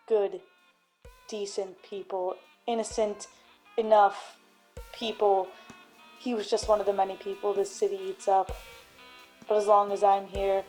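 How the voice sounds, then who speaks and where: A woman's voice: medium pitch, warm tone, natural voice, low-quality recording. A woman playing a world-weary, melodramatic private detective in a noir radio drama, with a theatrical, brooding delivery. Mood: solemn.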